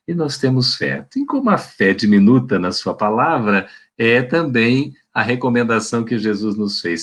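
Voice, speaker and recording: Husky man preaching with lively pitch. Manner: warm, colloquial preaching with frequent "né?" tags. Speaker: spiritist lecturer. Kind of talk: devotional talk to an online audience. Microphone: video call.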